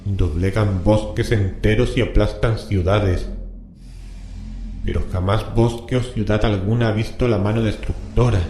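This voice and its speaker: A man acts out a grave scholar in a horror radio play, in a very dark, echoing voice over music. He intones forbidden scripture slowly, with solemn dread and an ominous, incantatory weight. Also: lowish voice, steady tone, lightly acted. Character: grave, horrified scholar reading forbidden occult scripture aloud. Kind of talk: horror radio drama acting. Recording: reverberant voice with music bed.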